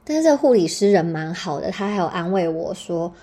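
Husky-voiced Taiwanese woman telling a story. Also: on the low side, a little fast. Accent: Taiwanese Mandarin. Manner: animated, dramatic, swears freely. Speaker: podcast host. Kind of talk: personal storytelling monologue.

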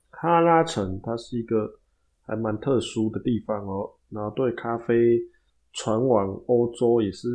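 A man's voice: on the low side, a little mellow. A man with a Taiwanese Mandarin accent hosting a storytelling podcast, narrating casually with chatty asides to his listeners.

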